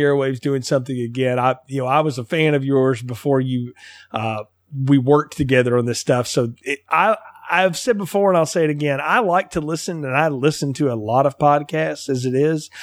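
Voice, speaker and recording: A plain, everyday voice speaks at a fairly quick pace with ordinary pitch variation. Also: man. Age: 40s. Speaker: podcast co-host. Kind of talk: casual chat; scripted narration.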